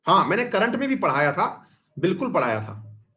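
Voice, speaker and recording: A man's voice: high-pitched, sing-song, normal speed, bright, forceful tone. A man teaching a history class online, chatty, putting questions to his students and drifting into side remarks, with English terms mixed into his talk. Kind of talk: online exam-prep class.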